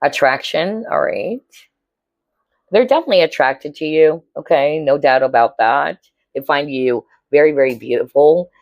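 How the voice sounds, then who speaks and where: A woman with a hoarse, cracking voice giving a casual tarot reading to viewers, chatty and often checking in with her listeners. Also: sits low, expressive, moderate pace, no room sound, muffled recording. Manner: chatty, keeps checking in with "all right?" and "okay?". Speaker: tarot reader.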